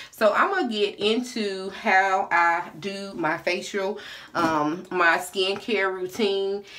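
A woman speaks at a very slow pace. Her intonation stays fairly even. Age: 30s. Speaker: beauty and hair care YouTuber. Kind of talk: casual tutorial. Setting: home. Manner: chatty, filler-heavy. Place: home room. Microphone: phone near.

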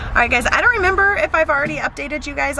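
Against noticeable background noise, a woman speaks very fast in a dry sound with no echo. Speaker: family vlogger. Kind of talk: casual vlog chat. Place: car. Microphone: phone near.

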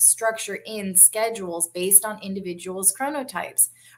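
A woman with an American accent speaks at a moderate pace, her medium pitch showing ordinary pitch variation. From US South, Florida. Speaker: workshop host, light wellness educator; workshop host. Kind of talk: online workshop interview. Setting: video call. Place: home room.

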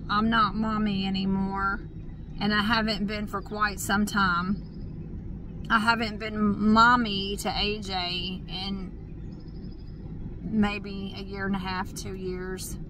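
With long, frequent pauses, a woman speaks very slowly in a monotone, flat intonation, the sound dry with no echo and noticeable background noise behind her. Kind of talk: casual vlog chat. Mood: wistful, reflective. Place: car. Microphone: phone near.

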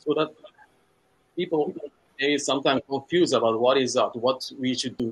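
A man speaks at a fairly slow pace with a Japanese accent. His pitch is fairly high. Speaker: sculptor; panelist. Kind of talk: panel discussion. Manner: halting. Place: home room. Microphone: webcam.

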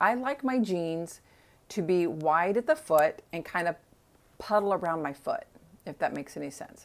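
A woman talks at a moderate pace in a fairly low voice. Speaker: alterations instructor. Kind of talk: tutorial. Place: home room. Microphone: earbuds.

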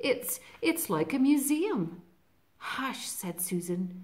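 The voice is somewhat breathy. Its pitch swings very widely. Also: woman. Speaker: storyteller reading aloud. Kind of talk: read-aloud storytelling. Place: home room. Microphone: webcam.

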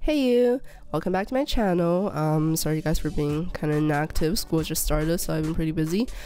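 A woman speaks at a fairly quick pace in a fairly low voice, with music playing behind her. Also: lively intonation. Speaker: digital artist. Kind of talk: software tutorial narration. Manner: occasional slurred words, many filler ums.

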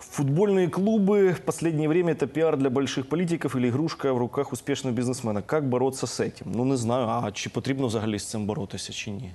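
A man with a Ukrainian accent talks at medium pitch and a very fast pace, with lively intonation and hardly any pauses. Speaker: TV host. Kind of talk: TV presenting. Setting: TV studio. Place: studio. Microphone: lapel.

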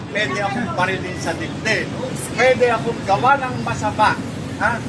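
There is crowd noise in the background and audible room echo. A man speaks in a high voice. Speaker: rally speaker, former drug enforcement agent. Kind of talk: rally speech. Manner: animated.

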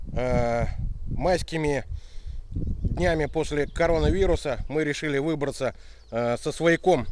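A man talks at a very slow pace with long, frequent pauses, in a fairly high pitch and fairly even intonation. The sound is dry with no echo, with noticeable background noise. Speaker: video blogger, urban explorer. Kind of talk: casual vlog talk to camera. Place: open country. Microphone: phone near.

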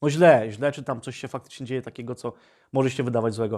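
Speaking at a very fast pace, the man keeps a medium pitch and ordinary pitch variation. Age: 30s. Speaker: gaming YouTuber. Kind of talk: casual vlog monologue. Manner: halting, repetitive.

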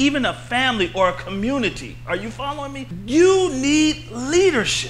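This man uses a raised, projected voice. He talks at a fairly slow pace. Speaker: pastor. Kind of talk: sermon. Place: church. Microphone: handheld.

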